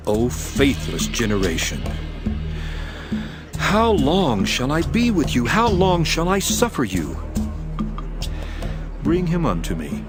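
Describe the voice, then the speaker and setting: A man's voice: medium pitch, wildly swooping pitch, slow, long pauses. A man playing Jesus as a solemn, authoritative teacher in a dramatized scripture reading, declamatory and commanding. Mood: stern. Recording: music behind the voice. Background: music.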